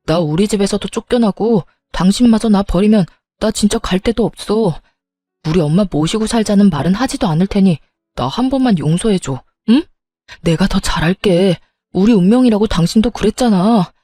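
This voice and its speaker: A woman reads out a desperate young husband who begs and whines, self-serving to the core. The voice sits mid-range and sounds mellow and dark, close and dry, as in an audio storybook. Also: mid-range voice, normal speed, no room sound, close to an everyday voice. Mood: begging. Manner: begging, whiny.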